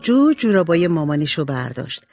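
A woman narrating an audiobook in an expressive storytelling manner. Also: low voice, soft background music.

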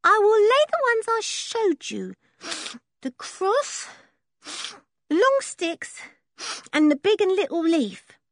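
A woman voicing a timid, scruffy traveller boy who keeps sniffing, eager and pleading in a high voice. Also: huge pitch swings, slow, pauses often, a bit bright, no room sound, studio quality, full character voice.

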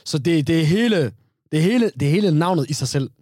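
Husky-voiced man telling stories casually. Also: a little high, lively intonation, darkish tone, dry recording, clean studio sound. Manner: laughing storyteller, slang-laced, many restarts. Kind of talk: casual chat.

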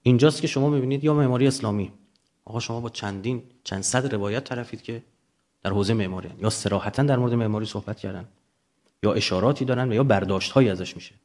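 A man's voice: medium pitch, a little mellow. A man with an Iranian Persian accent lecturing informally and emphatically, explaining through examples and rhetorical questions.

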